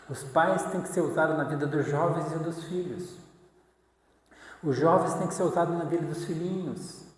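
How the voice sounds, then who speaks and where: Guy giving a sermon, chatty, tosses in little "right?" tags, big echoey church hall. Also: on the high side. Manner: conversational, tag questions. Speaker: preacher.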